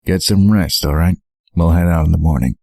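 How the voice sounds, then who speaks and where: Earnest young male Atlantean hero, acted by a man: extremely deep, creaky, calm and sincere, audio drama. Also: a little fast, no echo, studio quality. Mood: reassuring, sincere.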